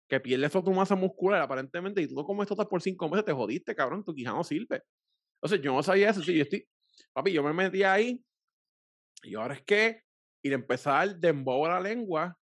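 A man with a Puerto Rican accent in casual chat, telling crude, animated stories full of swearing. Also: fairly high pitch, dry recording, clean studio sound.

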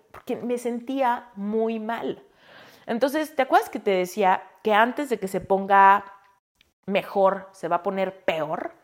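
A woman with a Mexican Spanish accent, a spiritual coach telling a personal story in a candid, expressive way and speaking straight to the listener. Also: mid-range voice.

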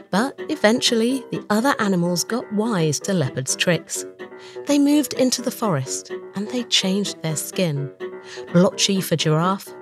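A woman host, croaky from a chest infection, narrating a scripted science podcast with a storytelling manner. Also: on the low side. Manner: storytelling, lively emphasis on lists.

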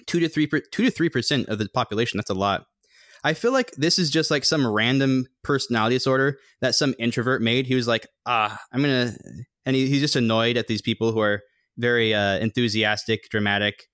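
A young man co-hosting a podcast, rambling casually with a slightly monotone, humming voice. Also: fairly quick, dry recording, clean studio sound. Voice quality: somewhat monotone, humming low resonance. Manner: rambling, thinks aloud with many fillers. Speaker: podcast co-host. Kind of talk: casual chat.

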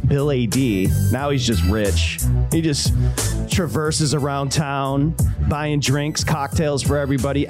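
Chatty male sports betting host. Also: medium pitch. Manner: chatty, storytelling, quick asides. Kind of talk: radio show talk.

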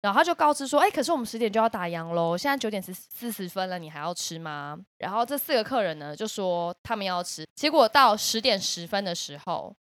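A woman, co-hosting a podcast with expressive, quick reactions. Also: mid-range voice, no room sound. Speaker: podcast co-host. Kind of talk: casual chat.

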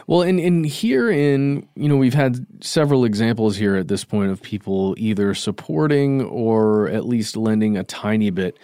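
A man's voice: lowish voice, normal speed, hardly any pauses, dark tone, smooth, no echo, studio quality. A man co-hosting a podcast, talking things through in a casual, thoughtful way and qualifying his points. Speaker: podcast co-host. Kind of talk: casual discussion.

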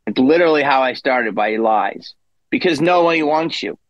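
A man's voice: mid-range voice, animated, moderate pace, no echo, rough recording. A man in his fifties, a guest comedian telling a rambling story in a casual interview, with self-deprecating asides. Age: 50s.

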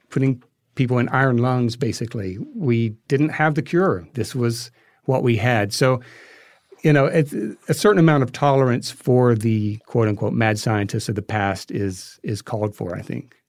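A man's voice: mid-range voice, moderate pace, a little mellow, dry recording. A man speaking as an interview guest, reasoning thoughtfully and hesitantly in a conversational way. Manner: hesitant, reflective, hedging as he reasons.

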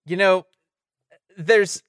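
A man co-hosting a casual comedy chat with wry, deadpan musings. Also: high-pitched, extremely slow, dry recording, studio quality. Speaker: podcast co-host.

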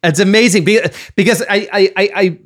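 A man hosting a podcast interview, enthusiastic and quick to laugh. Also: sits high, a bit bright. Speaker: podcast host.

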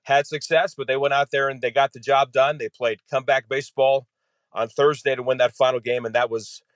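Radio baseball announcer guy as a guest, mid pitch, dry close mic, explains things in detail. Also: steady tone, fairly quick, dry recording. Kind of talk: interview answers.

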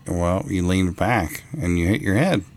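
A man patiently coaching a young child through reading a storybook aloud, gently prompting and encouraging. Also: low voice, expressive, a little slow, slight background noise. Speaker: parent helping a child read.

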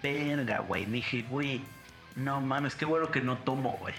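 A man's voice: mid-range voice, animated, moderate pace, vocal fry, fairly bright tone. A young Mexican man with a Mexican Spanish accent, hosting a podcast and telling crude, slang-heavy stories while acting out the quotes. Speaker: podcast host. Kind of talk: casual chat. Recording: roomy room with music behind.

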